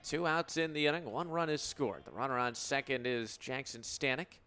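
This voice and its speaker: A young American man in his twenties calls baseball play-by-play for radio, using clipped, descriptive phrases. His mid-range voice is sharp and clean, delivered at a moderate pace.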